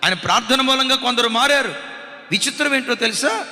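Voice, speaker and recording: A man's voice: extremely high pitch, a little fast, sharp tone, roomy sound, in a large hall. A man preaching a sermon as pastor, with impassioned delivery and frequent rhetorical questions to the listeners.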